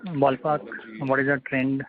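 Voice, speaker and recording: A man's voice: medium pitch, little pitch movement, unhurried, a little hiss or hum. A man with an Indian accent politely asking questions as an analyst, hesitant and deferential. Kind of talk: polite question on a conference call. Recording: tinny phone line.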